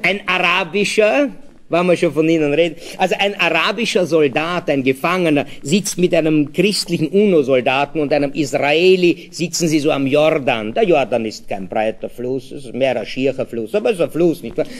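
A man's voice: fairly high pitch, brisk. A man telling jokes in a live cabaret, chatty with hesitant asides. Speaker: comedian.

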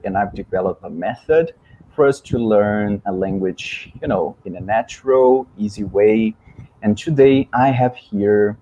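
A young man with a Brazilian Portuguese accent hosting a live-stream interview on a video call, speaking slowly in simple words for learners. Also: fairly low pitch, dark tone, highs cut off, a little hiss or hum. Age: young adult. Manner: slow, simple wording for learners. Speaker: host, language mentor. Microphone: earphone headset on a video call.

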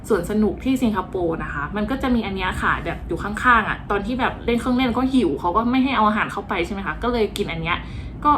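A woman's voice: medium pitch, a bit bright, slight background noise. A woman talking casually and playfully about a cooking class, joking at her own expense. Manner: chatty, playful, self-mocking. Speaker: vlogger.

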